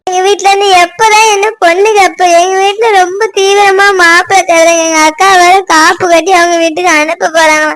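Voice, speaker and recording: Woman voicing a very high-voiced young village girl, worried, tirunelveli tamil, dry mic. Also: steady tone, a little fast, hardly any pauses, a bit bright, no room sound. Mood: pleading. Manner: pleading, emotional.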